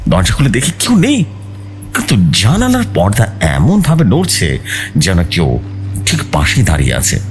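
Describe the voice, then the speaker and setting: A man's voice: lowish voice, wildly swooping pitch, moderate pace. A man voicing a terrified, haunted young man with a pleading, fearful delivery in a horror story. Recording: music bed behind the voice.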